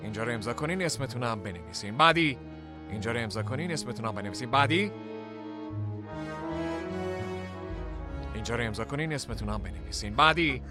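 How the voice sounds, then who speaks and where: An actor playing a smooth-talking male fairground showman and hypnotist in a cartoon dub, who swings between grand announcing and slow, low hypnotic talk. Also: animated, over music, lightly acted. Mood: droning.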